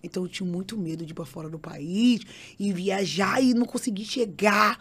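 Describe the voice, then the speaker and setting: A woman's voice: mid-range voice, fairly quick, a little hiss or hum. A woman, a podcast guest giving an emotional faith testimony, repeating phrases and acting out other people's voices.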